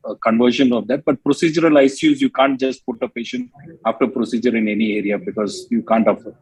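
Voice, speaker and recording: A man with an Indian accent speaking as an executive answering questions on an earnings call in a hesitant, halting way. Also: mid-range voice, fairly even intonation, a little mellow, slightly rough, no room sound, rough recording. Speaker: hospital company executive.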